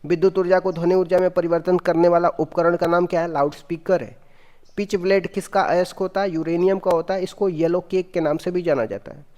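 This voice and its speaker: A man with a somewhat high voice runs an exam-prep quiz lesson. He asks each question and answers it himself. His voice carries a long hall reverb. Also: fairly even intonation, fairly quick, darkish tone. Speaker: teacher.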